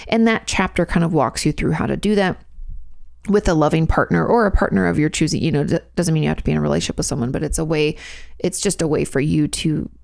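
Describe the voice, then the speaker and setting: A woman therapist hosting an advice podcast, answering listener questions in a gentle, reassuring way and often repeating phrases as she thinks. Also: low-pitched, fast talker, vocal fry, no echo, clean studio sound.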